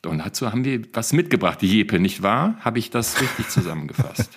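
A man's voice: on the low side, big pitch swings, fairly quick, a little hiss or hum. A man hosting a podcast, leading it in a cheerful, playful way and quizzing his co-hosts. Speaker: podcast host. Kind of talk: casual podcast chat.

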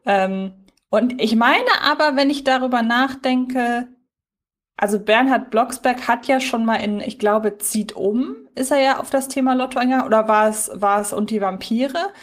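A woman co-hosting a podcast in casual discussion, explaining things in a deliberate manner. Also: on the high side. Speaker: podcast co-host.

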